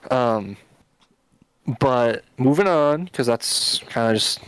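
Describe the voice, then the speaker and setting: A man's voice: mid-range voice, animated, slow pace, smooth, no room sound, low-quality recording. A man hosting a podcast in casual chat, explaining at length with lots of fillers and restarts. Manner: rambling, filler-heavy explaining. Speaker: podcast host.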